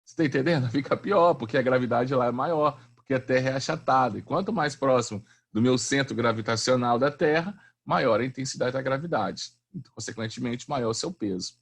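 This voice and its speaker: A man's voice: medium pitch, brisk, vocal fry, breathy edge. A man teaching a physics class online in a chatty, slangy way, often asking the students questions.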